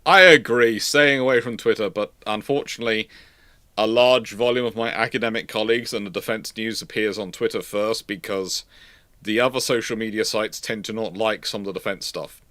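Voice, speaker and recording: Male livestream host, very bright forceful voice, medium pitch, dry close sound, stammering restarts, casual explanatory talk. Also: brisk, dry recording. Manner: stammering, repeats words and restarts mid-phrase. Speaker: livestream host answering viewer questions. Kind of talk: casual live question-and-answer talk on naval history.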